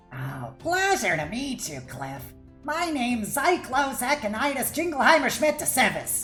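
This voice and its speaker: In a put-on character voice, a female-sounding speaker uses a high pitch at a moderate pace while clear music plays in the background. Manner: bouncy, polite and playful.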